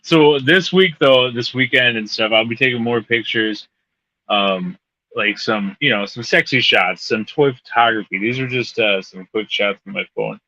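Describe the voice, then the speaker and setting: A man co-hosting a casual chat, explaining things in a rambling, halting way. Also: medium pitch, sharp tone, no room sound. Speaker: podcast co-host. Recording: dull lo-fi audio.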